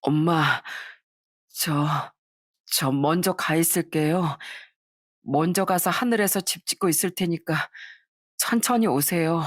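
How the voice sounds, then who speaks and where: Brief: frail, gentle grown son saying goodbye, slow and quiet, read by a woman narrator. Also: lowish voice, dry recording, clean studio sound. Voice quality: soft, weak, slow. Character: dying adult son, gentle and apologetic.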